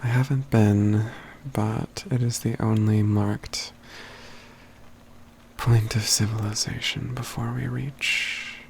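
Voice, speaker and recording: Measured and halting, often fading to a whisper, a man's medium-pitched voice portrays a calm, courtly mage companion in a soft-spoken ASMR fantasy roleplay. It sounds creaky, with a little hiss or hum in the background.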